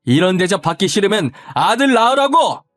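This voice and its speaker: A man doing a shrill, shrieking old mother-in-law. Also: very animated, a little fast, no room sound, faint music behind. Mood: furious. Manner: shrill, scolding, yelling. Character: spiteful shrieking older mother-in-law woman.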